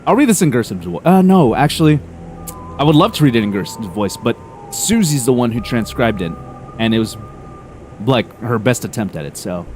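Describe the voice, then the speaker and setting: A man's voice: medium pitch, very animated, moderate pace, darkish tone, a little hiss or hum. A man giving casual commentary while streaming a game, laughing, swearing and reading on-screen text aloud.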